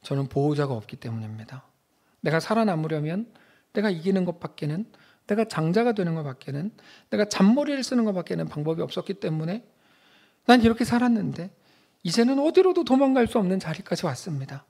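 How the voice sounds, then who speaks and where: A man preaching voices a desperate biblical patriarch begging for a blessing, in a lower, hushed voice. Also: big pitch swings, fairly quick, vocal fry, full character voice. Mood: pleading. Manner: hushed, lower and softer than his preaching.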